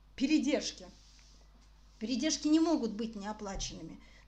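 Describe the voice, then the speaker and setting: In an ordinary speaking voice, a woman talks with lively intonation at a fairly high pitch. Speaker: animal rescue volunteer. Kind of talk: livestream Q&A. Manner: emotional.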